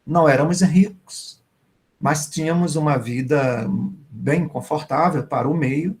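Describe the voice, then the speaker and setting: Creaky-voiced writer reminiscing. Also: male voice, fairly high pitch, unhurried. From Maranhão, Brazil. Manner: reminiscing, warm and grateful. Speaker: writer and professor, guest speaker. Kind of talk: online literary conversation.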